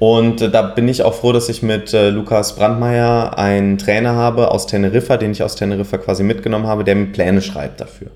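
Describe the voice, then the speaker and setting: A man's fairly low voice with fairly even intonation, set against noticeable background noise. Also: fairly quick pace, hardly any pauses. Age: 20s. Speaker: amateur triathlete. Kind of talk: interview.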